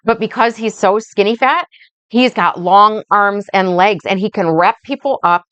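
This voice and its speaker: A woman life coach rambling through a casual vlog monologue, slow and blunt, swearing freely and checking in with "right?" and "okay?". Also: mid-range voice, a bit bright, clear, resonant tone, no room sound, highs cut off. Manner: speaks slowly.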